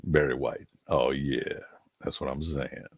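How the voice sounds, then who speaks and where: A man's voice: very deep voice, fairly even intonation, a little slow, slightly rough, no echo, clean studio sound. An older man hosting a casual live stream, rambling in a folksy way and reading out viewer names, a little nasal from allergies. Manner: rambling, folksy, chuckling asides.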